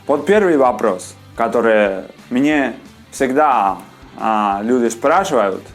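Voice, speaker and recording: A young man speaking Russian with a foreign accent, chatting casually to his viewers in a video blog, halting often and restarting words. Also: medium pitch, animated, soft background music. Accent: foreign, non-native Russian. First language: not Russian. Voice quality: halting, many restarts and fillers. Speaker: vlogger. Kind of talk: casual chat to camera.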